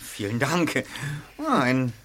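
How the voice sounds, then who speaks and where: Polite teenage boy, lively intonation. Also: mid-range voice, unhurried, slight background noise. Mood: eager, courteous. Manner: courteous, formal. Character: polite, eager teenage boy, a keen salesman. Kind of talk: audio drama acting.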